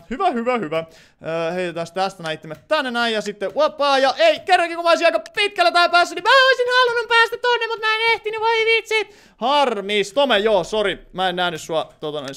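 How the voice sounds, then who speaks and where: Young guy streaming minecraft live, high smooth voice, gets loud n giggly on wins. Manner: excitable, bursts into high laughing shouts. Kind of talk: live Minecraft gameplay commentary.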